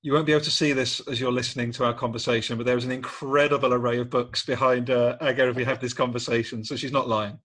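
A man's voice: medium pitch, flat delivery, fast talker, hardly any pauses, fairly bright tone. A man hosting a podcast interview, enthusiastic and complimentary, with loose, rambling phrasing. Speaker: podcast host. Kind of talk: warm interview chat.

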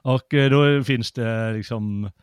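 A man's voice: medium pitch, smooth, no echo, clean studio sound. A man co-hosting a casual chat about poetry, telling stories with lots of fillers and restarts. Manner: animated storyteller with many fillers. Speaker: podcast co-host.

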